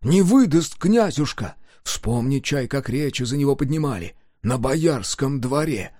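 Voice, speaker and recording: A brash, handsome young ladies' man, boastful and quick to take offence, voiced by a male narrator. He talks eagerly and much higher than the reader's normal voice, with vigorous, emphatic delivery. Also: lively intonation, mellow, no echo, studio quality.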